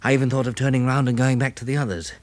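A man playing a weary, kindly English survivor in a 1960s radio drama, gentle and measured in manner. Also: mid-range voice, steady tone, natural voice. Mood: weary, sombre. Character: weary, kindly male survivor narrating his journey. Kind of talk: 1960s British radio drama narration and dialogue. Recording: hissy old radio recording.

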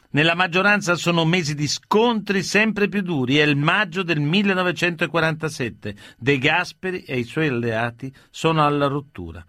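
A man's voice: a little high, sharp tone, dry recording, studio quality. A man presenting a history documentary in scripted narration, introducing the people who speak.

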